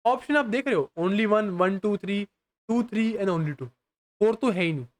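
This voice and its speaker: A young man teaching exam questions in a casual, chatty way. He reads each English question slowly, then explains it quickly, calls the viewer "bhai" and keeps asking if they follow. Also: high-pitched, expressive. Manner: addresses viewers as bhai, often asks if they understand.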